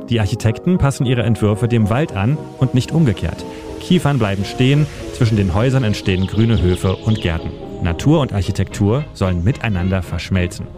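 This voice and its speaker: Low-voiced man narrating a feature over music. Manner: measured, documentary delivery. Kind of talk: scripted radio feature narration.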